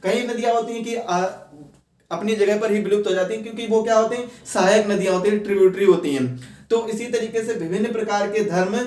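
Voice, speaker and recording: Male exam tutor, high-pitched, explanatory and repetitive, code-mixing English words; echoey room sound. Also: steady tone, fast talker, a little mellow. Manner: repetitive, rephrasing points step by step; mixes English terms into speech. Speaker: exam-prep teacher. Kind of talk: explanatory lecture for exam students. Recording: roomy echo, distant from mic.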